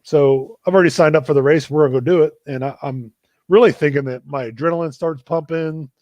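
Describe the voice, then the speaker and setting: A man hosting a live video chat, telling a story in a relaxed, self-deprecating way. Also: fairly high pitch, a little fast, dry recording. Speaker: running coach and show host.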